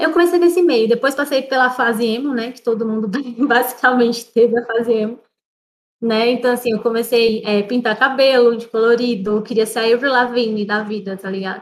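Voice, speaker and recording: Here is a woman with a normal speaking voice. She talks at a fairly quick pace, her fairly high pitch showing ordinary variation. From Maranhão, Brazil. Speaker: singer and artist. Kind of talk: casual chat.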